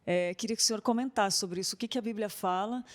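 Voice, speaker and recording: A woman's voice: mid-range voice, quick pace. Woman host, chatty and hesitant, lots of "né" style fillers, casual interview. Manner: conversational, many fillers, hesitant.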